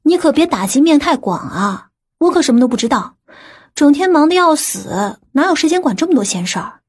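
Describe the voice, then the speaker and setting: A woman's voice: sits high, big pitch swings, a little fast. A woman playing a pert, teasing businesswoman in an audiobook, with a coquettish, reproachful manner.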